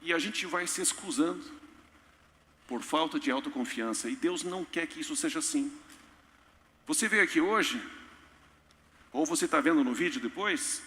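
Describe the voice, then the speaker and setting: Animated, joking pastor. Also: male voice, a little high, normal speed, long pauses. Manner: animated, joking, acts out voices. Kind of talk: sermon. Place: large church hall. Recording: long church hall reverb.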